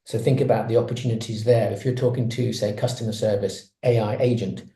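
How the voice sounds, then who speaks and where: Guy on a webinar panel, mellow voice, kinda echoey room, talks through examples. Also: lowish voice, fairly even intonation, brisk. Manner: conversational, explains with examples.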